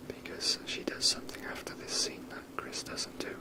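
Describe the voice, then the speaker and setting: A man whispers ASMR video game commentary in a rambling, wry, sweary manner, close to the microphone. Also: moderate pace. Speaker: video game streamer making ASMR gameplay.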